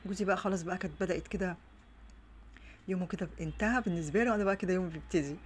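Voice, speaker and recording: A woman's voice: fairly low pitch, racing, slight background noise. A middle-aged Egyptian woman and mother chatting casually through a home vlog, rambling with many restarts, recorded on a phone on a stand. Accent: Egyptian Arabic. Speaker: vlogger and mother. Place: her home, indoors.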